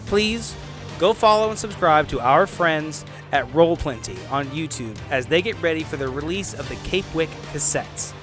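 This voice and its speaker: Man, lighter-pitched voice, casual podcast host, jokey roleplay talk, music playing underneath. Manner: jokey, informal.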